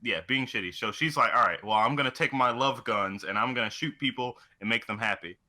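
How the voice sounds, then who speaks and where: A man's voice: mid-range voice, a little fast, pushed and bright. A man co-hosting a casual chat about video games, telling things in a loose, informal way. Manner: informal, loose storytelling with mild swearing. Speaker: podcast co-host.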